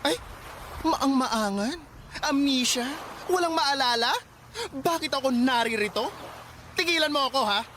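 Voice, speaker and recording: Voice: sits high, expressive, a little slow, long pauses, slight background noise, full character voice. An actor in a radio drama playing a sassy, wronged gay teenage boy who is fiery, sarcastic and theatrically taunting. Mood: angry, confrontational. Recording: loud music behind the voice.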